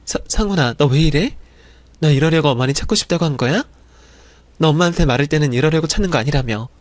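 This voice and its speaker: A man reads as a middle-aged mother with a sharp, scornful tongue, snapping back in a dramatized story. The voice sits a little high for a man. The recording is dry and close, with no room around it. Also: fast, no echo, lightly acted. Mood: scolding. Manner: snapping, scolding.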